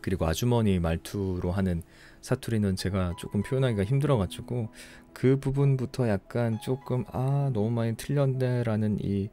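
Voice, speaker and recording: A young man from Ulsan, South Korea, tired after a long late-night book-reading livestream, casually chats through listener comments. He speaks softly and unhurriedly in a medium-pitched voice, apologetic and thankful, with soft background music.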